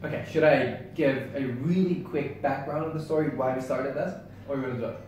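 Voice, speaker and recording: A man's voice: medium pitch, a little fast, darkish tone, very echoey, recorded from a distance, slight background noise, low-quality recording. A man in his twenties from Yemen whose native language is Arabic, co-hosting a casual chat in an upbeat, eager way. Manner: upbeat and eager, laughs often. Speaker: co-host.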